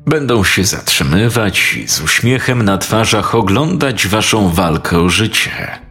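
A man voicing a cold, menacing dentist who torments his victims, speaking in a slow, measured way in a dramatized audio story. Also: sing-song, fairly bright tone, full character voice. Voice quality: deep gravelly, slow and measured. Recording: faint music behind.

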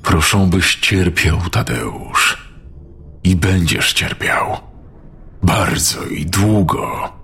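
A man voicing a little girl possessed by a vengeful dead priest's spirit, with a rough, gravelly, menacing half-whisper. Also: sits low, expressive, drawn-out words, bright, forceful tone, faint music behind, full character voice. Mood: gloating. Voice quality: gravelly, rough demonic growl.

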